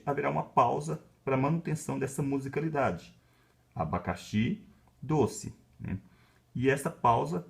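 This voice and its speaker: A male professor from Brazil gives a calm, measured lecture in a Brazilian Portuguese accent. His mid-pitched voice has a gravelly edge, and he talks close to the mic. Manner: calm, measured explaining with frequent "né" tags. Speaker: university professor. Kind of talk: explanatory lecture.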